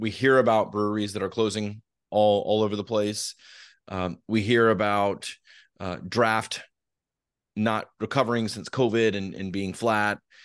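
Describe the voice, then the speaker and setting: An unremarkable speaking voice at a fairly slow pace against a quiet background. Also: man. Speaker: podcast host. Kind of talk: casual interview chat.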